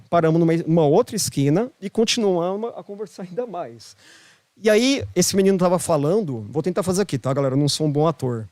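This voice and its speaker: A man's voice: high-pitched, a little mellow, no room sound, studio quality. A man with a Brazilian Portuguese accent, a podcast guest telling a story in casual chat, emphatic and repeating phrases for emphasis. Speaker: podcast guest, holistic therapist.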